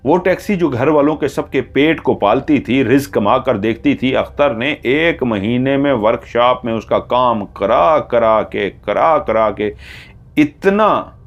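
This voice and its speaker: A man's voice: medium pitch, measured pace, muffled recording. A man narrating a horror story in a dramatic storytelling manner.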